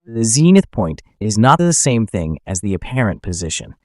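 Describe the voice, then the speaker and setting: A man's voice: fairly low pitch, very animated, moderate pace, no room sound, studio quality. Man narrating an app tutorial. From Finland. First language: Finnish. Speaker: YouTube channel host.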